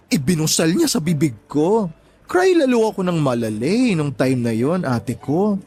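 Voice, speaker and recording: A man's voice: on the high side, a little mellow. A man with a Filipino accent playing a campy, sassy young gay man in an audio drama, talking in theatrical casual slang. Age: young adult.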